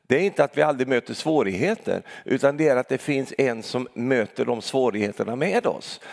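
Man preaching with lively questions. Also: mid-range voice, creaky. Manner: lively, talks straight to the congregation with rhetorical questions and tag "va?". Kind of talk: sermon.

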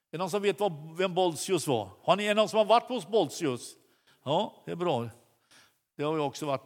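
A man preaching a sermon, telling a story with many halting restarts. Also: on the high side. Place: church hall. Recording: long hall reverb.

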